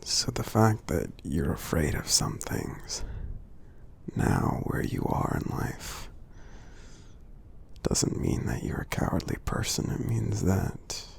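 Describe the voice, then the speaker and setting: A man voicing a friendly, kindly giant in an ASMR roleplay, speaking softly and breathily with a gravelly edge, in a tender, halting, encouraging way. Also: low-pitched, sing-song, heavily acted. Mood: earnest, encouraging. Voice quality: soft, breathy, half-whispered, gravelly. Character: gentle friendly male giant, kindly and reassuring.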